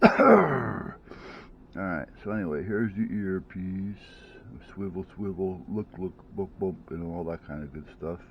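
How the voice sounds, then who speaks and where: Rambling low-voiced man, dull recording. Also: expressive, measured pace, creaky, a little hiss or hum. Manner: rambling, chatty, frequent restarts and fillers. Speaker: vlogger reviewing gadgets. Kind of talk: casual unboxing chat. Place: at home.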